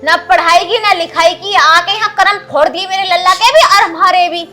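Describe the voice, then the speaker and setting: A woman's voice: very high voice, normal speed, music in the background. A woman playing a harsh, scolding village mother-in-law. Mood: contemptuous. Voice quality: scolding, contemptuous. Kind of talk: rural Hindi film drama.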